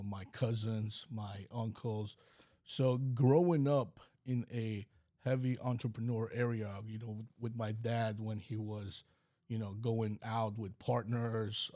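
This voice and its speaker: A man from California, a company president guesting on a podcast, with a mellow, warm voice at a middle pitch. He tells his stories in a rambling, easygoing way, full of fillers and restarts. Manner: rambling storytelling with many fillers. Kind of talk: podcast interview.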